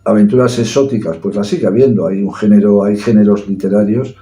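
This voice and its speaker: A man talks about literature as a guest, explaining ideas carefully and pausing on fillers. His voice is low and very dark in tone. The room is echoey, with faint music playing behind. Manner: measured, explanatory, with hesitations. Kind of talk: casual chat about books.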